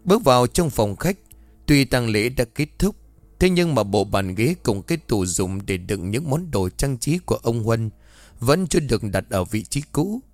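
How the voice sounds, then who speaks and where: A man's voice: mid-range voice, no echo. Male ghost story narrator. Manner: even, measured storytelling with voiced dialogue. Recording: dry voice over faint music.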